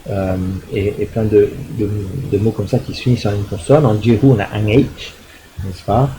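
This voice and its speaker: A middle-aged university lecturer with a lowish voice explains a recorded lecture at a moderate pace, with noise in the background. He sounds hesitant, using frequent fillers and restarts, and he adds tag questions to check that listeners understand.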